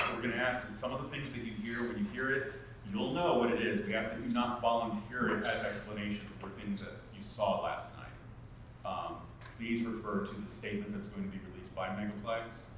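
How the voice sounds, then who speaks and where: Low-voiced man in a very echoey room. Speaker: board meeting speaker. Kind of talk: informal meeting briefing. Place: large echoey meeting room. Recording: very echoey room, distant mic, noisy.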